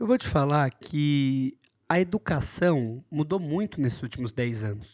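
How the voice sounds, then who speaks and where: A man with an ordinary speaking voice, fairly high pitch, lively intonation and a fairly slow pace, in a dry, close sound with no echo. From São Paulo, Brazil. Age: 20s. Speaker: state legislator. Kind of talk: interview.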